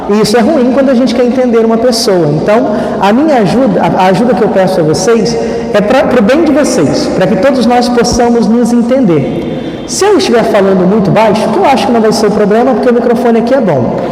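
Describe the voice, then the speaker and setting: A man with an extremely high pitch talks at a fairly quick pace, with ordinary pitch variation and very even loudness. Noticeable background noise and audible room echo fill the recording. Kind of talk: lecture. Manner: fast; soft-spoken.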